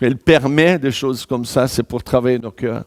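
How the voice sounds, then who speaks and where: Here a man speaks at a medium pitch and moderate pace, with ordinary pitch variation. The sound is dry and close, with no echo. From Brazil (São Paulo state, Pirassununga). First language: Portuguese (speaking French). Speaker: pastor. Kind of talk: sermon. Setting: church. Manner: halting.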